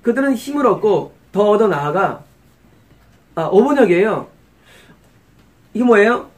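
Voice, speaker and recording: High-voiced Korean pastor preaching. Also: male voice, sing-song, measured pace. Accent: Korean-accented English words. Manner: rhetorical questions, repeats key phrases. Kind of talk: expository sermon.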